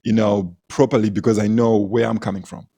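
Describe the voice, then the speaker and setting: A man's voice: lowish voice, steady tone, brisk, creaky, mellow. A young man from Zimbabwe, a comedian, telling stories in casual conversation, laughing often and repeating words as he goes. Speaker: comedian, guest.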